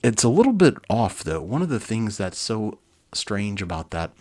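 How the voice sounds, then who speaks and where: A man in his forties hosting a children's book reading, mixing expressive narration with casual, enthusiastic asides. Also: lowish voice, normal speed. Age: 40s.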